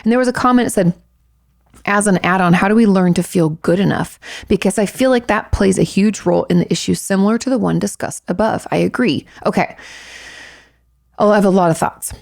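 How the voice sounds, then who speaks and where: A woman who hosts an advice podcast as a licensed therapist, talking in a candid, casual way with a hoarse, raspy voice. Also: mid-range voice, fairly quick, no room sound, studio quality. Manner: warm, candid, talks freely with fillers and asides. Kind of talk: casual advice podcast, answering listener questions.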